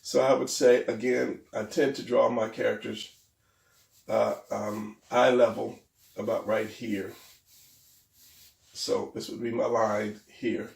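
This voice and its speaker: Male drawing instructor, gravelly and a bit stuffy, rambling and hesitant, recorded off-mic in a roomy space. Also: on the low side, little pitch movement, slow, long pauses, recorded from a distance. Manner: hesitant, rambling, self-deprecating. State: losing his voice, a little stuffy. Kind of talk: casual drawing tutorial.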